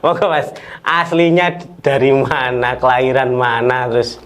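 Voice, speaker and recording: A man hosting a casual podcast interview, joking and laughing often with quick backchannels. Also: medium pitch, fairly bright tone. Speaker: podcast host.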